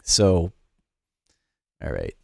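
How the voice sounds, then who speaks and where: A middle-aged man hosts a loose, off-the-cuff music production livestream from his home studio in New York, chatting with and greeting viewers amid many fillers and restarts. He speaks very slowly, and the recording is dry.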